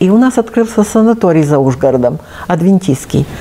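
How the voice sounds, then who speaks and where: A woman speaks with very wide swings in pitch over noticeable background noise. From Ukraine, Transcarpathia. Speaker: retired churchgoer sharing prayer story. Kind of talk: testimony interview.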